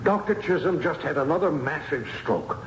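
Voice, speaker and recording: An actor playing a cold, calculating clinic doctor in a 1970s radio drama. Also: male voice, a little high, animated, close to an everyday voice. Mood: grim, urgent. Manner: calculating, coolly sinister, measured. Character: cold scheming villainous male clinic doctor. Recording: muffled noisy echoey radio recording.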